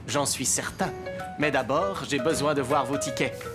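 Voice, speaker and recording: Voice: mid-range voice, moderate pace, over loud music, lightly acted. An actor playing a kindly, playful male train conductor who reassures a child in a children's cartoon. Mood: enthusiastic. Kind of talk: animated children's cartoon acting.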